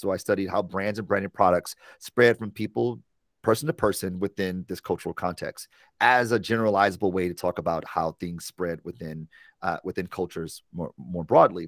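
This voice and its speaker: A man with an American accent speaks in an ordinary speaking voice, fairly low in pitch with ordinary pitch variation, at a fairly quick pace, in a very clean recording with a silent background and a dry, close sound with no echo. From Detroit, US Midwest. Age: 40s. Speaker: marketing strategist and professor. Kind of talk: interview conversation.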